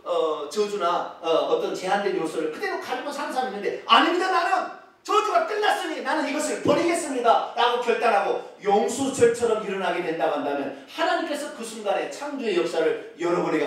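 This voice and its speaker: A pastor preaches in a high, very lively voice with a regional Korean accent, swinging from loud exclamations down to near-whispers. He is picked up from well away from the mic, and the church sanctuary echoes heavily around him. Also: far from the mic. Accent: Korean regional dialect. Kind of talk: sermon.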